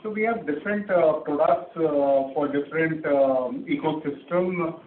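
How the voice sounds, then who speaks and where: A man answers analyst questions on an earnings call, stopping often on fillers. His voice sits a bit high. The sound is thin and phone-like, with roomy echo and faint hiss. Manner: halting, many fillers. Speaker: company executive answering analysts. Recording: echoey, distant, phone-line audio with faint hiss.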